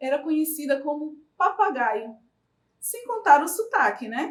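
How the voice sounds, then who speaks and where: A woman talks at a fairly slow pace. Her high voice makes very wide pitch swings. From Rio de Janeiro, Brazil, then Espírito Santo. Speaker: teacher. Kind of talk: recorded online lesson for children. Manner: friendly, didactic.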